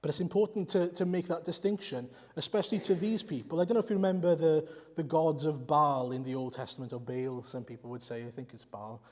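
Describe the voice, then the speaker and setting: A Welsh-speaking man from Wales preaches in a church, his voice sitting a little high for a man. He explains earnestly and turns often to rhetorical questions. The sound carries a long reverb from the church hall. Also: a little fast, few pauses, darkish tone. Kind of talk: sermon.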